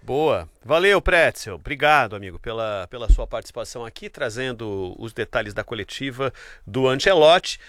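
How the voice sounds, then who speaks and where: A man's voice: medium pitch, lively intonation, normal speed, fairly bright tone, no room sound, clean studio sound. A man hosting a radio sports show, upbeat and friendly as he moves the conversation along. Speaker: host.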